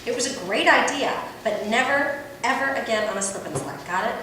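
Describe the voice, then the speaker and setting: A woman's voice: fairly high pitch, animated, fairly quick, pushed and bright. A woman playing a brash, sardonic adult-film producer and agent in a script read aloud, with a wry, teasing, theatrical manner. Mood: brisk, exasperated. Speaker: actor at a table read. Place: echoey room at a table read. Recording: distant mic in echoey, noisy room.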